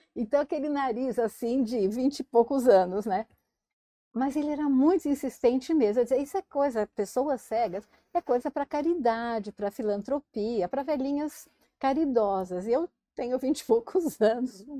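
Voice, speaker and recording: A woman with a high pitch and a dark, mellow tone speaks at a moderate pace. The sound is dry and close, without echo. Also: ordinary pitch variation, quiet background. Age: 70s. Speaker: sociologist, social entrepreneur. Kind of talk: interview, personal storytelling.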